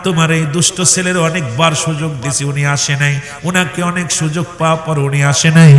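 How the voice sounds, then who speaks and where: A man's voice: a little high, steady tone, brisk, a bit bright, echoey room, in a large hall, faint music behind, lightly acted. A preacher doing a stern old holy man. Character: stern revered older male saint, refusing.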